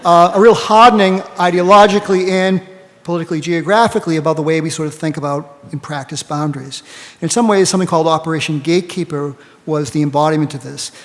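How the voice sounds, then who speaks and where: Man, Boston accent, panelist lecturing, fairly high voice, long hall reverb. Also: quick pace, fairly bright tone. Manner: lecturing, frequent "right?" checks. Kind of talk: academic panel talk.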